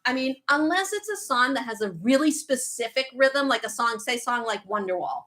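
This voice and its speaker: Fairly high-pitched, animated and a bit bright, a woman in her thirties with a faint Boston accent chats through her guitar livestream. She answers viewer questions, reads out comments and makes quick asides.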